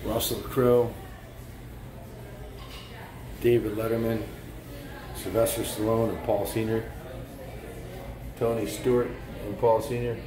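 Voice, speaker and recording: A man's voice: lowish voice, level tone, slow, long pauses, crowd noise, poor audio. Older man giving a chatty walking tour. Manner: chatty, points things out as he walks. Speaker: vlogger touring a venue. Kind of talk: casual walking tour narration. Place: restaurant and bar, indoors.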